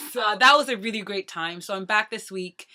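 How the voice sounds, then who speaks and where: A woman in her thirties chatting casually to her viewers in a playful way, talking very fast. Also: mid-range voice, bright, forceful tone. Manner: talks very fast. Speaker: vlogger. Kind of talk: casual chat to camera.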